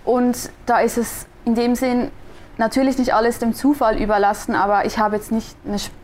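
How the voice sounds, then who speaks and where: A woman's voice: on the high side, little pitch movement, normal speed, a little hiss or hum. A young woman from Switzerland with a Swiss German accent, a designer answering interview questions thoughtfully, often restarting as she searches for words. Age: young adult. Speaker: guest, designer and podcaster.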